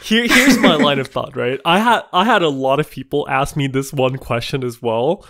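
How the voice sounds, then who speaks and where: A man hosting a podcast, chatting casually and answering questions with animated delivery. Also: medium pitch, normal speed. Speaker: podcast host.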